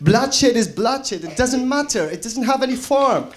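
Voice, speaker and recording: A man from Afghanistan addresses the panel from the audience. His voice is high and he talks slowly and emphatically. He pushes his point with rhetorical questions. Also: expressive. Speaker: audience member.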